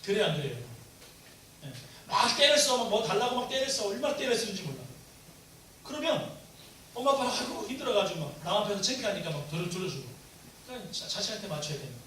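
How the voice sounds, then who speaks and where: A man preaching a sermon in a high, sharply bright voice, asking the congregation questions as he goes. He acts out quoted prayers with raised emphasis. He is picked up from a distance in a very echoey church hall, with faint ambience behind him. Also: sing-song, fast, a little hiss or hum. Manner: conversational preaching with call-and-response questions. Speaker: pastor.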